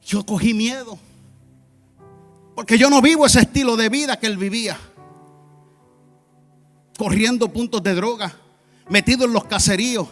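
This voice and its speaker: A man preaching a sermon as pastor, telling a personal testimony with loud peaks and quiet asides. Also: extremely high pitch, normal speed, long pauses. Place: church sanctuary. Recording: long church hall reverb, faint music.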